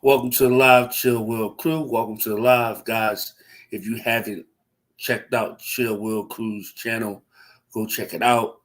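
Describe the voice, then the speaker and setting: A man's voice: fairly low pitch, measured pace. Congested man chatting on a livestream. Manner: rambling, relaxed, frequent fillers and restarts. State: congested from a cold. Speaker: livestream host. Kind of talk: casual livestream chat.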